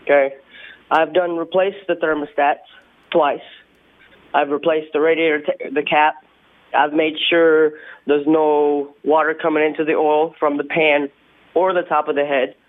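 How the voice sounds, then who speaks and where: A man's voice: a little high, little pitch movement, unhurried. A man calling in to a radio car show, plainly listing the repairs he has made. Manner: lists his repairs plainly. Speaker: caller. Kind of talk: call-in radio question. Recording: tinny phone line.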